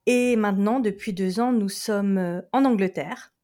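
A woman's voice: mid-range voice, normal speed, mellow. Chatty french lady lawyer, laughs a lot, lots of euhs and restarts. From France. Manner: chatty, laughs often, many fillers and restarts. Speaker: guest, family lawyer. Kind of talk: casual interview chat.

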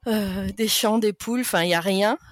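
A woman in her late thirties from France talks as a podcast guest at a middling pitch. She chats easily and breaks into laughter between sentences. Her voice is recorded close and dry, with no room sound. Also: a little fast, no echo. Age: 30s. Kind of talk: casual interview chat.

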